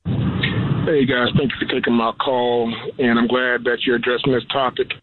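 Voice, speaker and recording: A man's voice: medium pitch, little pitch movement, normal speed, a little hiss or hum. A man calling in to a talk show over the phone, speaking earnestly and urging listeners to act. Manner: earnest, exhorting. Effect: heard over the phone. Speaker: caller. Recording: tinny phone line.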